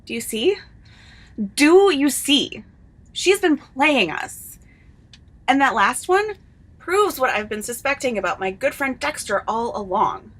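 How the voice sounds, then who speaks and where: A woman's voice: high voice, sing-song, unhurried, pauses often, a bit bright, exaggerated voice. A woman playing a sly wasteland character who reveals a plot in a comedy sketch. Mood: conspiratorial. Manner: conspiratorial, sly, dramatic.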